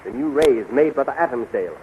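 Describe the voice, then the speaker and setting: An actor playing a brisk, impatient prince and loyal ally, earnest and theatrical in 1930s radio serial style. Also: male voice, medium pitch, animated, close to an everyday voice. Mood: brisk, anxious. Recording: muffled, noisy 1930s radio recording.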